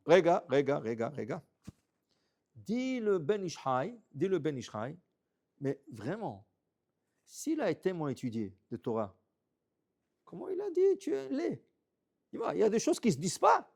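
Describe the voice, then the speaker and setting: A man, a rabbi, telling stories in a sermon, animated, repeating phrases and checking in with "ok?". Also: on the high side, unhurried, vocal fry, pauses often. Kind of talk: storytelling sermon.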